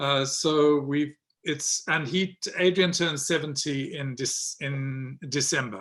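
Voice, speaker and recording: A man with a fairly high pitch speaks very slowly, keeping his intonation fairly even. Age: 70s. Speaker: puppet theatre company founder. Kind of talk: online panel conversation.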